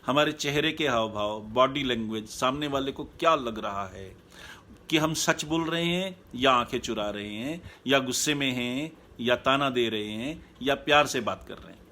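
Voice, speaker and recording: A man speaking as a happiness coach in a live online talk, calm and measured, repeating his key points. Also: medium pitch.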